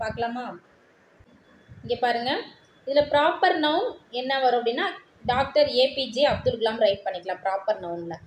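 A woman teacher with a Tamil accent, explaining textbook answers and reading English sentences out slowly, word by word. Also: fairly high pitch. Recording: echoey room with faint noise.

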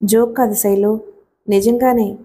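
Anxious young man, stammers, read by a woman narrator, mellow. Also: sits high, steady tone. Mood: nervous. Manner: stammering, halting.

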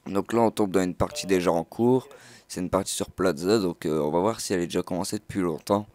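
A man hosting a gaming channel, giving live commentary on his own match with frequent excited outbursts and swearing. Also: sits low, fairly quick.

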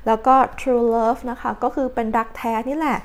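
A young woman reads tarot cards in a chatty, casual way, sprinkling her talk with polite particles. Her voice sits a little higher than most women's. She speaks freely, as if she were talking to a friend. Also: fairly even intonation, normal speed, a little mellow. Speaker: tarot card reader. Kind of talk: casual spoken tarot reading.

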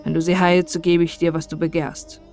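A woman's voice: lowish voice, flat delivery, brisk, a little mellow, faint music behind, pitched below the performer's own voice, lightly acted. A woman voicing a regal, eager king in a fairy tale, with formal, stately speech. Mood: pleading, stately.

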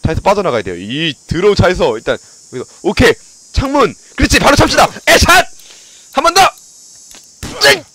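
A man streams a horror game from home and chatters through it in a high, bright voice that bounces all over. He jokes, yells and swears as the action heats up. Faint game music plays under him. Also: brisk. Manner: excitable, yelling and swearing, jokey. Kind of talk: live gameplay commentary.

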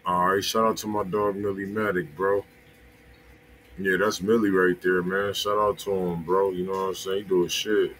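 A man's voice: sits low, level tone, a little slow, a bit bright, a little hiss or hum, low-quality recording. An American man chatting casually and in slang as host of a music review livestream, often repeating himself.

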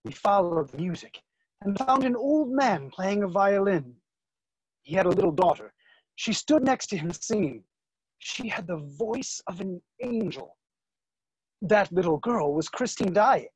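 A man's voice: sits high, expressive, unhurried, breathy edge, no echo, full character voice, rough recording. An actor in his thirties playing an earnest, lovestruck younger brother, romantic and defiant, in a staged play reading. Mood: wistful. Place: room at home, video call.

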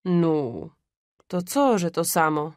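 A woman's voice: sits low, slow pace, no room sound, studio quality, full character voice. A woman voicing a phlegmatic male junk trader haggling stubbornly over a price. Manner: stubborn, calm bargaining.

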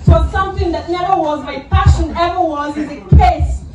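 A young woman, possibly with a Nigerian English accent, performing spoken word poetry into a handheld mic in a lounge, soft and measured, building to emphatic lines. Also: very high-pitched, fairly even intonation. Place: small lounge venue, indoors. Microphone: handheld mic, filmed by phone from the audience. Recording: roomy, distant, loud music behind.

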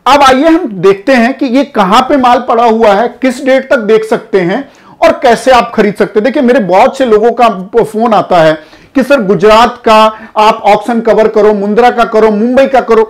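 An energetic man, a customs auction consultant who hosts a channel, explains things to camera in an indoor studio in front of a projected screen, recorded on a lapel mic. His voice is very high-pitched at a normal speed, and he gestures broadly while addressing viewers directly.

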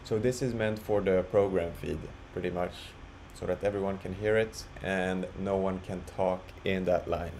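A man presenting a casual software walkthrough, explaining step by step in a halting way. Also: low-pitched, steady tone. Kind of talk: casual screen-share walkthrough. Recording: clearly audible background noise.

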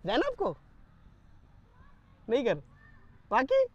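A man pulling a loud fake phone call prank in an outdoor park, laughing into the ears of people sitting beside him. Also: very high voice, huge pitch swings, extremely slow, very noisy. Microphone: phone held to ear.

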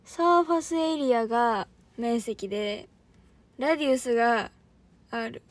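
A woman's voice: a little high, measured pace, no room sound. A young woman with a Kansai accent, chatting on a livestream as an idol trainee, rambling and laughing often while thanking viewers. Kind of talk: casual livestream chat.

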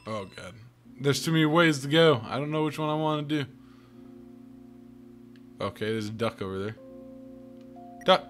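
A man's voice: a little high, animated, moderate pace, pauses often, fairly bright tone. A man giving casual let's play commentary, muttering wry asides to himself as he goes. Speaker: gaming video host. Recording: game music behind the voice. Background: video game music.

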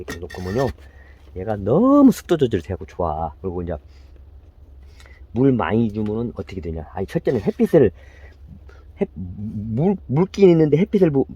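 Husky-voiced man giving chatty plant tips. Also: lowish voice, mellow, lo-fi sound. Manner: repetitive, chatty, talks straight to viewers. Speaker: plant care instructor. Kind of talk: casual gardening how-to.

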